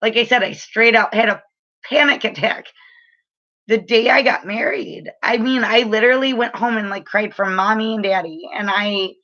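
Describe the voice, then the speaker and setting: A woman's voice: fairly high pitch, normal speed, pushed and bright. Woman in her late thirties, casual spiritual talk, frank, filler-heavy, dull lo-fi sound. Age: late 30s. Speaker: spiritual reader and energy healer.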